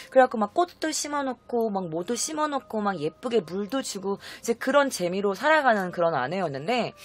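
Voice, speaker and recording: A woman telling a strange true story in a chatty, dramatic way, often asking the listener questions. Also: mid-range voice. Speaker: storytelling host. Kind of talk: casual storytelling vlog.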